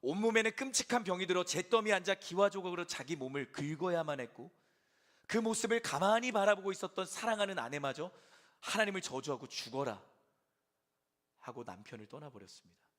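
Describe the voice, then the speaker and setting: A young adult man preaching a sermon to a church service, swinging from loud pleading to hushed, almost whispered lines. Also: high voice, animated, fast. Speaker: pastor.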